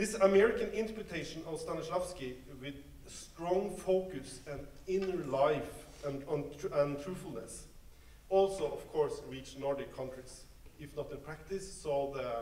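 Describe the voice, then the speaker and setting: A man speaks at a high pitch and a moderate pace, with ordinary pitch variation. His loudness swings widely, and room echo is audible. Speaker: presenter. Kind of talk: lecture. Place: stage.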